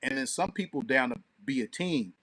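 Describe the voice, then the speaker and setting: A man's voice: medium pitch, expressive, normal speed, fairly bright tone, low-quality recording. An American man co-hosting a podcast with casual, profane, slang-heavy commentary, punctuated by checking tag phrases. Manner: informal, profane, peppers talk with tag phrases. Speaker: podcast co-host.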